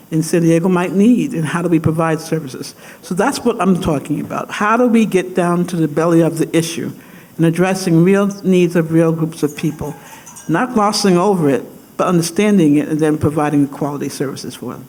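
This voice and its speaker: A man making a thoughtful comment at a panel, pausing to find his words. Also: a little high, a little mellow, poor audio.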